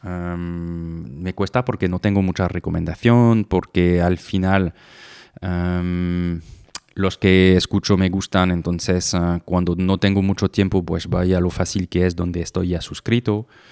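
Slow-paced and flat, a man's very deep, low voice speaks in a monotone with a dry, close sound and no echo. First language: French (speaking Spanish). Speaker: podcast host and digital agency founder. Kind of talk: solo reflective monologue. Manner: halting, many fillers and repetitions.

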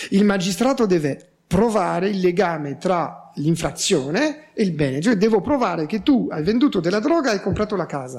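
With a French accent, a man speaks at a moderate pace in a high pitch that swings very widely. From France. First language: French (speaking Italian). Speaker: anti-mafia activist and researcher. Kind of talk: interview. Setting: radio studio.

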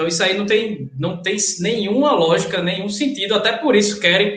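With ordinary pitch variation and a moderate pace, a man talks while noticeable background noise carries on around him. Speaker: podcast co-host, football commentator. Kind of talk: casual chat, live-streamed podcast. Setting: video call / live stream.

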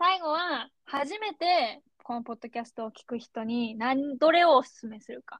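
A woman's high voice moves at a moderate pace with lively intonation and big swings in loudness, recorded with a dry, close sound and no echo. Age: 20s. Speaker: podcast co-host. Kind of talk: casual chat.

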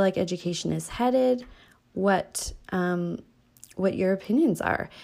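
On a very clean recording with a silent background, a woman speaks with a Western US accent and ordinary pitch variation. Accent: American (Western US). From mixed: Germany, Canada and Idaho. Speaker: podcast host, former teacher. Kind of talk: solo casual monologue. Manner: frequent fillers (um).

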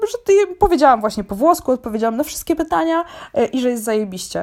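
In an animated tone, a woman talks at a high pitch with very wide pitch swings. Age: 20s. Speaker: podcast host, university student. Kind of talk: casual personal monologue. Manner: animated, chatty.

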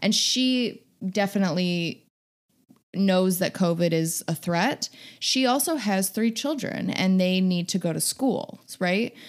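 With a Michigan accent, a woman talks at a fairly slow pace in a medium pitch, her intonation lively and her loudness very even. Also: very clean recording, silent background. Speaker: nurse podcast co-host. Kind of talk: casual chat. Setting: home studio.

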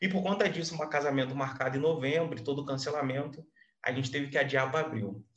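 A man speaks at a very fast pace in a somewhat breathy voice. His pitch is fairly high, with ordinary variation. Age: 20s. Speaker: civil engineer. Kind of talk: interview, casual chat.

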